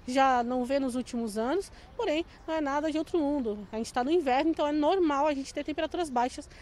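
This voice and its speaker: A young adult woman meteorologist explaining the forecast in a measured way, speaking into a handheld mic outdoors on a city street. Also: sits high, a little mellow. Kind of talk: live outdoor weather interview. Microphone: handheld reporter mic. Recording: faint outdoor street noise. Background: faint street traffic.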